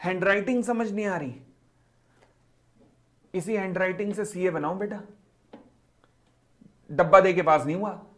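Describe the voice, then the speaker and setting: A middle-aged male teacher with a high voice, teaching a live online class. He tells a story with lively energy and acts out each part of the dialogue, teasing his students as he goes. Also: a little slow, long pauses. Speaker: commerce teacher.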